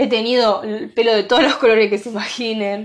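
A woman's fairly high voice in a Rioplatense accent, at a fairly slow pace. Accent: Argentine Rioplatense Spanish. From Argentina, Bahía Blanca. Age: 20s. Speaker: podcaster. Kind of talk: personal monologue. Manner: casual, with frequent fillers.

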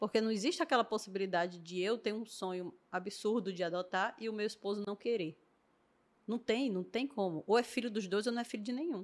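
A woman with a strong northeastern Brazilian accent, fairly high in pitch, at a fairly quick pace with ordinary pitch variation. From Northeast Brazil. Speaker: pastor's wife, adoptive mother. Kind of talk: casual chat.

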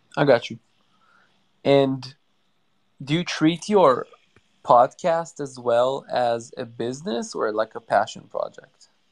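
A man with a fairly high voice and lively intonation speaks at a very slow pace with long, frequent pauses, in a dry, close sound with no echo. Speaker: podcast host, product manager. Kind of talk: casual interview.

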